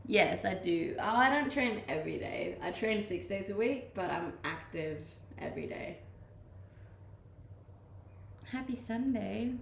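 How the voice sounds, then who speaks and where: A young woman from Denmark speaks with a slight Danish accent, blended from the many countries she has lived in. She chats easily with her viewers and laughs often, and her voice has a gravelly edge. The room sounds echoey, with faint noise behind her. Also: mid-range voice, lively intonation, measured pace. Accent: slight Danish, mixed from living abroad. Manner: laid-back, chatty, often laughing. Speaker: streamer. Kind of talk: casual chat reading live comments.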